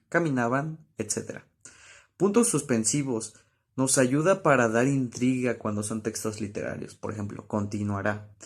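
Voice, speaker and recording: A young man giving a study-review explanation of spelling rules, halting, with many fillers and self-corrections. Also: mid-range voice. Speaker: student presenter.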